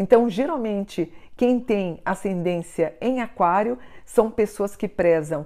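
Recorded very cleanly over a silent background, an unremarkable speaking voice moves at a fairly slow pace with ordinary pitch variation. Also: woman. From Brazil, São Paulo. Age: 50s. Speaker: spiritual teacher and YouTuber. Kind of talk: casual talk to camera about her astrology chart.

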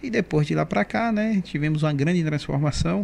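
A man speaks with very wide pitch swings. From Camaçari, Bahia, Brazil. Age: 40s. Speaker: former city councillor. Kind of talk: casual interview. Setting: studio.

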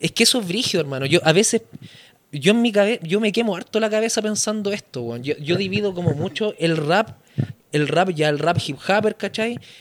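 Talking at a fairly quick pace, a man uses lively intonation and a high pitch. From Chile, Talca. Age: 20s. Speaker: rapper. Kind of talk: casual chat.

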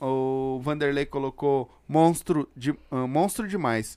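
The speaker has an unremarkable speaking voice and talks at a fairly slow pace. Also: man. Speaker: podcast host. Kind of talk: casual chat, live show with ad reads. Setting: studio, live stream.

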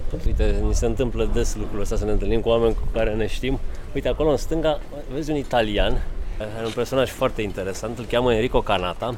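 Speaking at a very fast pace, a man is heard with audible room echo. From Romania, Drobeta-Turnu Severin (Oltenia). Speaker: poet. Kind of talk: casual chat. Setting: outdoors.

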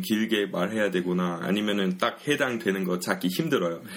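With an English accent, a man speaks at a fairly low pitch with ordinary pitch variation over noticeable background noise. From US. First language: English (speaking Korean). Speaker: podcast host. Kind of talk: casual chat.

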